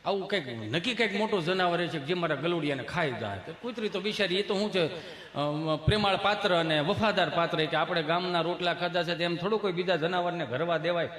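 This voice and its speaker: A man with a Kathiawadi Gujarati accent telling a comic folk story on stage in a lively, chatty way, laughing along with the crowd. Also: sits high, fast talker. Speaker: stand-up comedian. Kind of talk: live folk comedy storytelling. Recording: echoey live hall recording.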